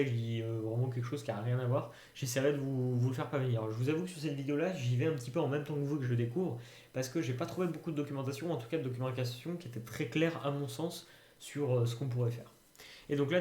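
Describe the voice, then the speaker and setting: A man walks through a software tutorial in a relaxed, unscripted way, pausing and hesitating as he works things out. His voice is mellow and dark. The room is echoey. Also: mid-range voice. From France. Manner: hesitant, thinking aloud with many fillers. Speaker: tutorial youtuber. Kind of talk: casual screen-recorded tutorial. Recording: roomy home recording.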